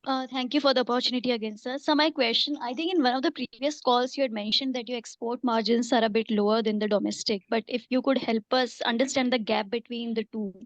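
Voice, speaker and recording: A woman's voice: on the high side, steady tone, fast talker, hardly any pauses, no room sound. A woman putting questions to management as an investor on an earnings call. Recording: dry, dull conference line.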